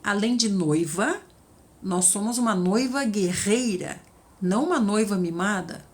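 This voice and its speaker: A woman giving devotional teaching as a preacher, animated and acting out the voices she quotes. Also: medium pitch, measured pace.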